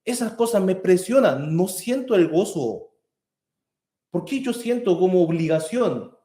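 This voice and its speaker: A man preaching a sermon as pastor, earnest and rising to forceful emphasis. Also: high voice, lively intonation, unhurried, echoey room. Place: church hall.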